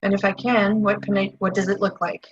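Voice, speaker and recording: A woman in a tapping session who repeats affirmations and then describes her feelings in a soft, hesitant way. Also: mid-range voice, little pitch movement, a little fast, slightly rough, dull audio.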